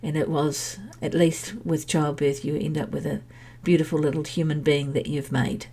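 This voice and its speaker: A woman's voice: deep voice, level tone, normal speed, mellow, breathy edge. A middle-aged woman with a head cold, talking candidly and chattily in her own personal podcast monologue. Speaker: podcast host sharing her health journey.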